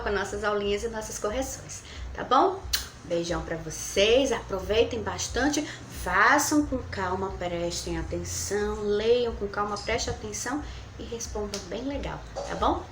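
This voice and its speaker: A woman teaching a recorded review lesson to children, counting syllables slowly and using sweet diminutives. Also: a little high, animated, a bit bright. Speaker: primary school teacher. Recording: echoey room, faint background noise.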